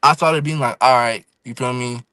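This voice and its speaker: An eighteen-year-old from Fresno, California and Houston chats loosely as a guest on a casual podcast, saying "you feel me" over and over. His medium-pitched voice is steady, bright, forceful and resonant, at normal speed. The sound is clear with no echo.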